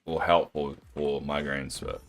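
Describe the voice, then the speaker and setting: A young adult man with a New Zealand accent and a deep, soothing voice, chatting casually and self-deprecatingly with his viewers while playing a game. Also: expressive, slow pace. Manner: rambling, self-deprecating, sympathetic. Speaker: game streamer.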